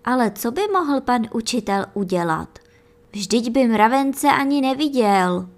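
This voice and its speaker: Gentle woman reading a bedtime story. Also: on the high side. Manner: gentle, lively storytelling that speaks to the children.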